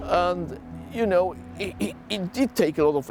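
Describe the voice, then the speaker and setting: A man at a fairly slow pace, lively intonation, and noticeable background noise behind him. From Argentina, Buenos Aires. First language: Armenian. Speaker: journalist and writer. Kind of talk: interview. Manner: halting, with repetitions.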